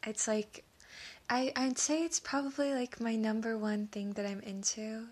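Woman, high-ish, slow, sniffly; nervous halting ramble with stammers, giggles and whispered asides. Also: fairly even intonation. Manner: drops into soft whispers at times; giggles often. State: sniffly from allergies. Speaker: audio creator. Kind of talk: rambling casual monologue.

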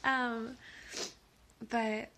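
Woman, high-ish, slow, sniffly; nervous halting ramble with stammers, giggles and whispered asides. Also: little pitch movement, slight background noise. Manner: drops into soft whispers at times; giggles often. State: sniffly from allergies. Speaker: audio creator. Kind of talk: rambling casual monologue.

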